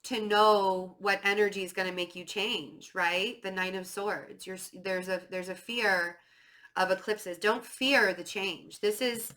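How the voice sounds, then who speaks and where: A tarot reader with a cold chats to camera in a mid-range, slightly nasal voice that's pushed and bright, with fairly even intonation and a slightly slow pace. She fills her casual reading with "um" and "like" and describes herself as nervous and fidgety.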